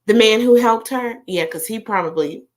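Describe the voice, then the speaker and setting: A woman with a Southern American accent, chatting casually with viewers on a livestream and telling stories in an animated way. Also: a little high, normal speed. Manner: animated storyteller, talks straight to viewers, frequent fillers. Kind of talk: casual chat.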